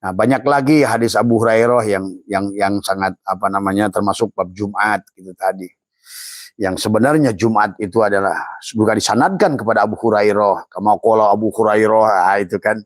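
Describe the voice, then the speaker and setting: A man's voice: lowish voice, brisk, no echo, studio quality. An older man, an Islamic preacher, giving a rambling religious teaching talk with many fillers and restarts, quoting Arabic phrases.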